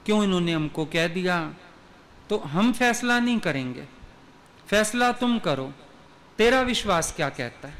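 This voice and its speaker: Slow-speaking man giving a devotional talk. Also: sits high, a bit bright, slight background noise. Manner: unhurried, conversational, acts out quoted voices. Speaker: spiritual teacher. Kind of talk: devotional discourse.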